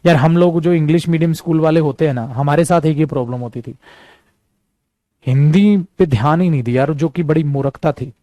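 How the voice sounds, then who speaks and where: A lively male teacher from India runs a spoken English lesson, mixing Hindi and English as he talks to his students like friends. His voice sits fairly high, and he drags out each English example sentence slowly so the class can follow. The sound is dry and close, with no room echo. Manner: switches freely between Hindi and English, addresses students as friends. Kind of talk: classroom lesson, explaining at a board.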